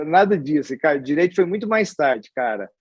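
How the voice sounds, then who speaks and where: A man in his forties from Goiás, Brazil, with a Goiás accent, chatting as an interview guest and telling his life story in a relaxed, rambling way. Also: on the high side, moderate pace, husky, dry recording, dull audio. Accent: Goiás Brazilian Portuguese. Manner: chatty and storytelling, with many restarts and tag questions. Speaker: guest, hospital executive. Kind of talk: casual interview conversation.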